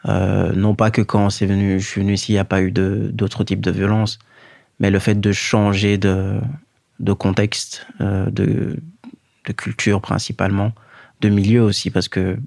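A low-pitched man in his thirties from Guinea, with Fula as his first language. His voice is gravelly, and he speaks in a flat, steady tone. He talks reflectively, pausing often to gather his words, and the sound is dry and close. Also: no echo. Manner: measured, pausing often with fillers. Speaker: interview guest. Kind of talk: reflective personal storytelling.

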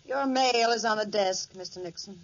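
A woman plays a composed, curt office boss in an old radio drama. Her voice sits at a middle pitch, heard on a muffled recording with plenty of noise. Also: normal speed, close to an everyday voice. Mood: icy. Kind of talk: 1940s radio drama acting.

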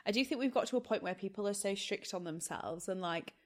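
A woman's voice: medium pitch, brisk. A young woman from Yorkshire hosts a podcast interview. She chats in a casual, easygoing way and keeps her guest talking. Now and then she drops a swear word. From Yorkshire, England. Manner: chatty, encouraging, casual swearing. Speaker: podcast host.

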